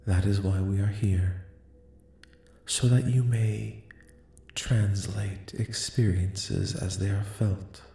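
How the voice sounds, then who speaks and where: A man voicing a calm, courteous alien collective in a soft-spoken ASMR roleplay, speaking in slow, formal, reassuring phrases. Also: fairly low pitch, gravelly, soft background music. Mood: calm, explanatory. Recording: echoing, reverberant voice.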